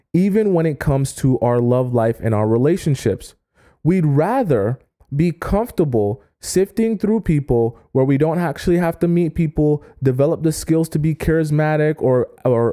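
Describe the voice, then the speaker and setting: A man giving dating advice on a livestream, stressing key points with deliberate pauses and reading viewer chat aloud. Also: medium pitch, dark tone. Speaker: dating coach.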